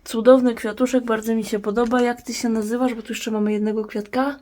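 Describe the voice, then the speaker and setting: A woman's voice: a little high, level tone, quick pace, a little mellow. Chatty woman cooing at houseplants. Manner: chatty, talks tenderly to her plants. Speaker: plant-care vlog host. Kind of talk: casual talk while tending plants. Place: indoors at a home grow box.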